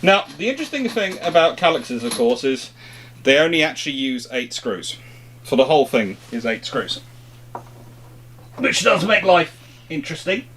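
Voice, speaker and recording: Higher-pitched man explaining informally. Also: big pitch swings, moderate pace, long pauses, fairly bright tone, slight background noise. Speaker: host of a history question-and-answer show. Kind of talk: informal unscripted explanation, question-and-answer chat.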